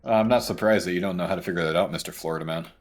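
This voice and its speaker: A man's voice: deep voice, racing. A man in casual voice chat with his gaming group who teases the others in playful banter.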